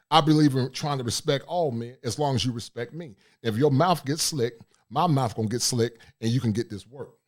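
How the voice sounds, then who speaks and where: Middle-aged male livestream host, deep forceful voice, preachy monologue. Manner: forceful, preachy, reads chat aloud. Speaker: host of a livestream talk show.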